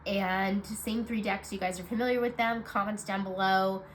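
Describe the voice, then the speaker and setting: A woman with a stuffed-up, nasal voice giving a casual weekly card reading, low on energy and rambling with many fillers. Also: fairly even intonation, moderate pace, slight background noise. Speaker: tarot card reader.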